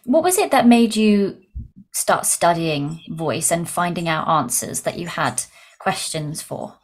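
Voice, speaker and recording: A woman's voice: lowish voice, expressive, measured pace. A woman interviewing a guest, asking questions and listening attentively.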